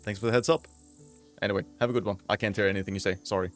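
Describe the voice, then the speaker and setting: A man hosting a gaming video, giving casual gameplay commentary with excited outbursts and casual slang. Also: lowish voice, rapid-fire, faint music behind.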